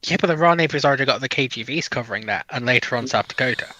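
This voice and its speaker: A man's voice: medium pitch, rapid-fire, pushed and bright, no echo, poor audio. A man on a panel, casually challenging points in a live debate with stammered, tentative starts.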